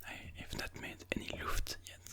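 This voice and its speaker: An ASMR chess video host whispers game commentary in a breathy, mostly unvoiced voice. They think aloud slowly and soothingly.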